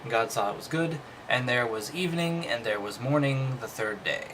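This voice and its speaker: A man's voice: medium pitch, expressive, moderate pace, noisy background. A man reading a text aloud and commenting casually, with dry, skeptical, dismissive asides. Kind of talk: casual commentary between read-aloud passages.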